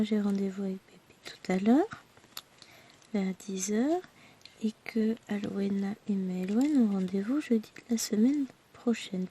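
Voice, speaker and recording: A woman vlogger with a hoarse voice from a throat infection, chatting to her viewers in a rambling, tired, self-deprecating way. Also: medium pitch, mellow, slight background noise. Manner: speaks tired and worn out. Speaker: crafting vlogger. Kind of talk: chatty personal update to viewers.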